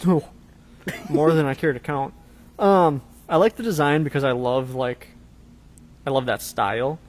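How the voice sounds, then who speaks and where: A man's voice: on the high side, measured pace. A man co-hosting a live show, talking casually and rambling with fillers. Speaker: co-host of a live truck parts show. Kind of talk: casual chat.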